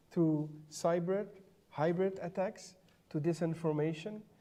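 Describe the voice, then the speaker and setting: At a moderate pace, a man with a Dutch accent speaks in a high pitch with a dark, mellow tone and fairly even intonation. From Netherlands. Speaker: EU official. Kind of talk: panel speech.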